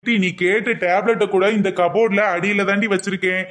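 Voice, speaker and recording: A man's voice: high-pitched, fairly even intonation, fairly quick, a bit bright. A man playing a clever husband and son in a cartoon, coaxing his mother and firm with his wife. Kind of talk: cartoon voice acting.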